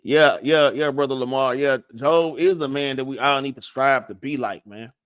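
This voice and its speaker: In a casual scripture lesson, a Southern-accented man speaks at normal speed in a mid-range, slightly bright, clear and resonant voice. He stutters and restarts a lot, tagging on "man" and "all right?" The studio recording has no room sound.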